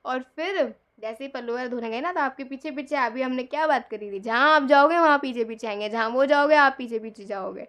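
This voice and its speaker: A woman tarot reader telling a reading as a casual story, chatty and animated, acting out the quoted lines. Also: sits high, brisk, few pauses.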